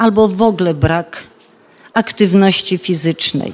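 A woman's very slow speech with lively intonation. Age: old. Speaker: pedagogy lecturer. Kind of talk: lecture.

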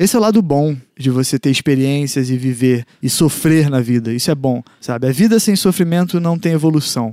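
On a very clean recording with a silent background, a man with a dark, mellow tone and a fairly high pitch speaks at a moderate pace, his intonation lively and his loudness very even. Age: 30s. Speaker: podcaster. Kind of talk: casual monologue.

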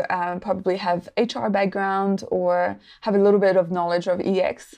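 In a French accent, a woman speaks at a fairly slow pace. Her tone is dark and mellow. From France, Paris. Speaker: service designer. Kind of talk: casual interview.

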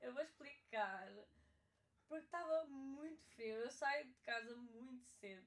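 With a Lisbon accent, a woman speaks at a high pitch, her intonation lively. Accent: European Portuguese (Lisbon area). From Portugal, Moita. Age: 20s. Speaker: podcast co-host. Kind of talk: casual chat.

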